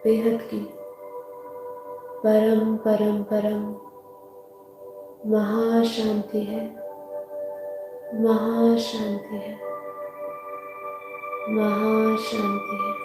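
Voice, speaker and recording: Slow, echoing Indian woman guiding meditation. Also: mid-range voice, monotone. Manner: unhurried, soothing, repeats phrases. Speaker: meditation guide. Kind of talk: slow guided meditation instruction. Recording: heavily echoing voice over soft music.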